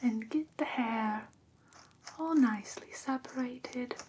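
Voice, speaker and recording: Slow whispering vampire teacher played by a woman. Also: fairly high pitch, slight background noise. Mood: calm, attentive. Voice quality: breathy whisper. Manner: soft, careful, instructive, politely formal. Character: gentle, prim vampire woman teaching a human-care class. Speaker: ASMR performer. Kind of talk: whispered ASMR roleplay. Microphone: close microphone.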